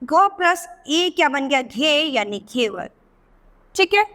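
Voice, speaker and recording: A woman teacher patiently explaining vowel signs to young children, often asking questions and drawing out sounds slowly. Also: sits high, very animated, fairly bright tone, in a large hall. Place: teaching video voice-over.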